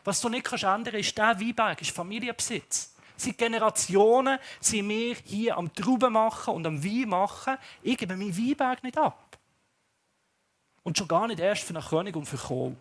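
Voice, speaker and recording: A defiant vineyard farmer, as a Swiss preacher puts him on, refusing flatly in a high, lively voice. It is told within a live church sermon. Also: male voice, moderate pace. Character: stubborn farmer guarding family vineyard.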